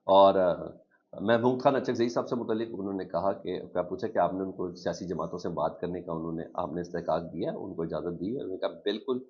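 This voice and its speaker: Low-voiced Pakistani man explaining the news. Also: darkish tone. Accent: Pakistani Urdu. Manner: conversational, recaps and explains the news. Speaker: news commentator. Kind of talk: casual news commentary. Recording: dull lo-fi audio.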